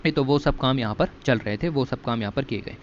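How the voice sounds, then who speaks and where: A man talks through exam-prep material in a relaxed, chatty way, dropping "okay" and "alright" between points. His voice sits at an ordinary middle pitch. The recording is a little dull, with a faint hiss behind it. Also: a little fast. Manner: chatty, repeats "ठीक है" and "okay" as fillers. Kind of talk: casual lecture walking through a magazine.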